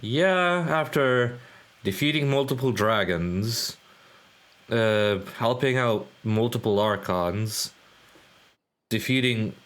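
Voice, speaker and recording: A man's voice: fairly low pitch, a bit bright. A man streaming a game live, chatting loosely and swearing now and then. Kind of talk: casual live gameplay commentary.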